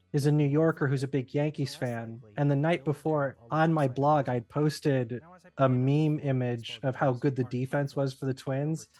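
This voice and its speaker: A man's voice: mid-range voice, warm tone. A middle-aged man chatting animatedly as he gives commentary on his own film. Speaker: filmmaker giving director's commentary. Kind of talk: casual commentary chat.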